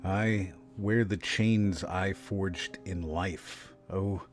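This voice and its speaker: A man playing a slow, low, stern ghost. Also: fairly even intonation, faint music behind. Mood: grave, ominous. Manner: grave, theatrical, slow and deliberate. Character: stern chained ghost of a ruthless businessman father. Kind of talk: fan audio drama acting.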